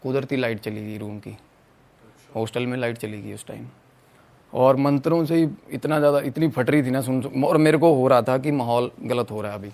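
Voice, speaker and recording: A man from Punjab, telling a story as a podcast guest in an animated way, mixing in English phrases. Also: mid-range voice, normal speed. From Punjab, India. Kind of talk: casual storytelling.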